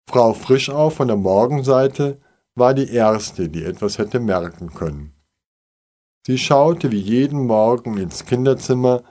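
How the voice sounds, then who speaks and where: A man reading a children's storybook aloud in a calm, measured way. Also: on the low side. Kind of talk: scripted storybook narration.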